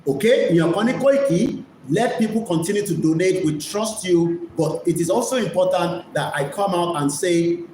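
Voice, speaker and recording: High-pitched man, Nigerian Yoruba accent, emphatic repetitive live host, echoey room. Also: normal speed, few pauses, a little mellow. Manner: emphatic, repeats key phrases. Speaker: host of an online media broadcast. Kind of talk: live commentary mixing two languages. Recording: echoey room with faint noise.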